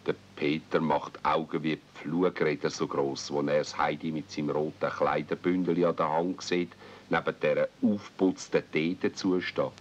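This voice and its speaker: A man's voice: very deep voice, steady tone, moderate pace. A man narrating a children's radio play as a storyteller, speaking Swiss German. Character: male storyteller of a children's tale. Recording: muffled, noisy old 1970s audio play recording.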